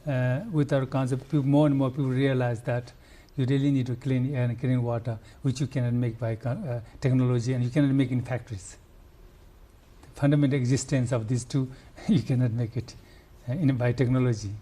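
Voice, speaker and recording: Husky, dark-voiced Nepali man. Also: medium pitch, steady tone. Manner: earnest, halting with restarts and fillers. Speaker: conservationist guest. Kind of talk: interview answers.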